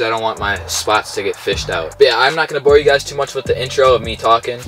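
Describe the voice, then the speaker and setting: A man talking at a very fast pace with ordinary pitch variation, faint music in the background. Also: dry sound with no echo. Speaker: fishing vlogger. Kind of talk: casual vlog chat. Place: tent. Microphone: camera far.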